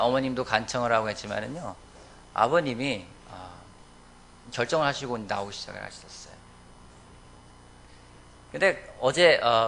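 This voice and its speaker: A man preaching a Sunday sermon as pastor of a church, urging his congregation with emphatic swings between loud appeals and quiet, earnest lines. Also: slight background noise. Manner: emphatic, rising to loud exhortations then dropping low. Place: church sanctuary.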